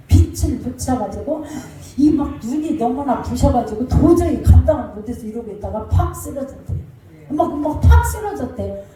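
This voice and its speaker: High-voiced woman preacher in an echoey hall. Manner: animated storytelling, sing-song preaching cadence; shouts commands mid-story. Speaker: pastor. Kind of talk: sermon. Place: church. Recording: very echoey church hall, distant mic, faint music.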